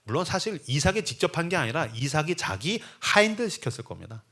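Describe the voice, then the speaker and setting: Guy preaching a funny revival sermon, kinda high voice, acts out all the lines. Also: fast. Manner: animated storytelling, acting out dialogue in voices. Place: church sanctuary.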